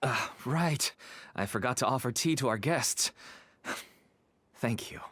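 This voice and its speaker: A man's voice: mid-range voice, measured pace, a bit bright, breathy edge, no room sound. A man voicing a weary middle-aged merchant father in a video game, speaking in an earnest, pleading way.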